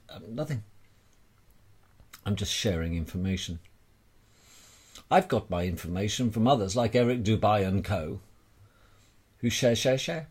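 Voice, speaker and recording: A man delivering a rambling monologue straight to the listener in a wry, theatrical manner with deliberate dramatic pauses. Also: on the low side, a little mellow, slightly rough. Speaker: speaker sharing personal views.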